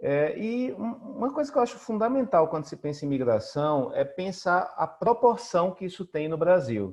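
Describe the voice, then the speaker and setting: High male speech with very wide pitch swings. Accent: Pernambuco. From Pernambuco, Brazil. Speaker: public defender. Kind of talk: talk. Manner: hesitant, many fillers.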